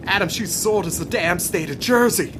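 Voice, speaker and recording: A man's voice: normal speed, lightly acted. An actor playing an alarmed, superstitious male companion in an audio drama, urgent and pleading in a colloquial way. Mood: fearful warning. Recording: rumbling background noise.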